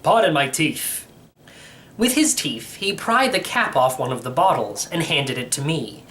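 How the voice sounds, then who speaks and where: Animated male storybook narrator. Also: on the high side, normal speed, slight background noise. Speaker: audiobook reader. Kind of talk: scripted first-person storytelling narration.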